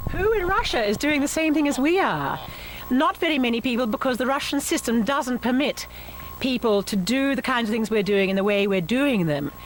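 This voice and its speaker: In a non-native accent, a woman speaks at a high pitch and a fairly quick pace, her pitch swinging very widely while her loudness stays very even, with noticeable background noise. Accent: foreign. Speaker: peace camp participant. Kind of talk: answering a question.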